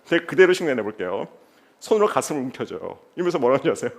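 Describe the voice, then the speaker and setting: A middle-aged man, a philosophy teacher, giving a lively lecture to a studio audience and often putting rhetorical questions to them. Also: medium pitch, rapid-fire, vocal fry. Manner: animated, keeps asking the audience rhetorical questions.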